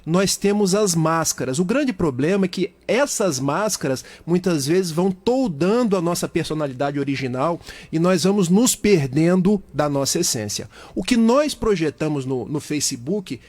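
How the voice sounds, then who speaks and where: Brazilian guy on radio talk, kinda high voice, lots of examples, explains stuff patiently. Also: expressive, normal speed, hardly any pauses, a little mellow. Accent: Brazilian Portuguese. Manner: explanatory, speaks at length with examples. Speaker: guest speaker.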